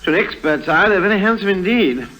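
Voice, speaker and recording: Courteous old-time radio jeweler: highish voice, very lively inflection, obliging, measured and deferential. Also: male voice, exaggerated voice, low-quality recording. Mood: obliging, appraising. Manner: polite, measured, hesitant appraiser. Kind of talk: 1950s radio drama acting.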